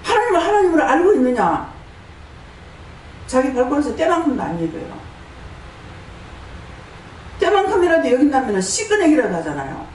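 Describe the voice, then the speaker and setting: A woman's voice: high voice, sing-song, fairly quick, pauses often, a little mellow. Fiery Gyeongsang woman preacher, echoey hall. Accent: Gyeongsang Korean. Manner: scolding, full of rhetorical questions. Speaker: pastor and prayer house director. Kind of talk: fiery sermon. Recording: echoey hall, distant mic, faint noise.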